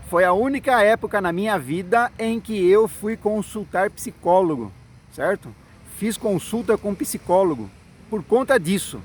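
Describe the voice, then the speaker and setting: Through a little hiss or hum, a middle-aged man with a high-pitched voice narrates his past as a congregation elder in monologue. He dramatizes what people said and constantly checks in using "né?" and "certo?".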